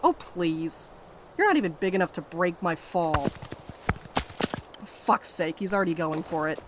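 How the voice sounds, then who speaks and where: A woman's voice: on the low side, expressive, measured pace, background noise. A woman acting a sarcastic, anxious, grumbling reluctant explorer in a naturalistic audio drama, with a dry, complaining delivery. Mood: grudging, sardonic.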